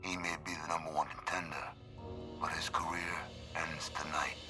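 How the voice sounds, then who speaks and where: An actor playing a tough, cocky boxer who talks gruffly in slang in a game. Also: male voice, rumbling low, level tone, normal speed. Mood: threatening. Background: music.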